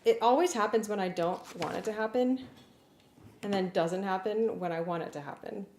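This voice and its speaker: A woman's voice: medium pitch, a little mellow. Woman thinking aloud in a roomy, noisy space. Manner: informal, halting, thinking aloud. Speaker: livestream host and music arranger. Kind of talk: casual livestream chat, explaining work progress. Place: warm indoor room. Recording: roomy echo, clear background noise.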